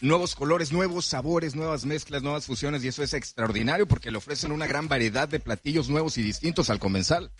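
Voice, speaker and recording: Upbeat Mexican radio host on location. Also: male voice, fairly high pitch, a little fast, few pauses, noisy background. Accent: Mexican Spanish. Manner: upbeat promotional announcer patter. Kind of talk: live radio remote hosting. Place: hotel restaurant, live remote broadcast.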